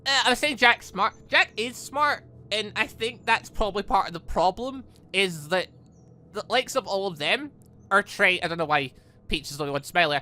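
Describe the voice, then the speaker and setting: Lively, bright-voiced man reading a game aloud. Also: sits high, moderate pace. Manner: stumbles over lines, self-correcting, exclaiming. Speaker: gaming channel host. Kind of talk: live read-through of a visual novel with commentary.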